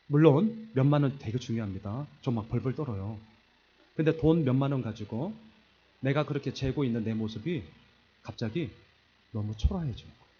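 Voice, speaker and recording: Animated man telling a sermon story. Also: medium pitch, husky, muffled recording. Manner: animated storytelling, acting out quoted voices; self-deprecating humor. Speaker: pastor. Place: church sanctuary.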